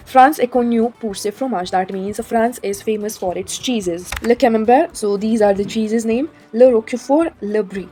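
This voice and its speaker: A woman's voice: on the high side, dark tone. A young woman teaching a French lesson, explaining step by step and asking how so.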